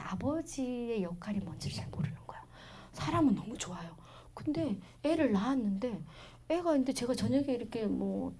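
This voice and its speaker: A middle-aged woman with a regional Korean accent giving a parenting lecture, telling stories in a chatty way that swings between loud bursts and soft asides. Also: fairly high pitch, husky. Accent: Korean regional dialect.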